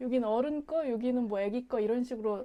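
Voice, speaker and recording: High-pitched female speech at a fairly quick pace amid noticeable background noise. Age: 30s. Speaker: homemaker on parental leave. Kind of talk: casual home tour chat. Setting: at home.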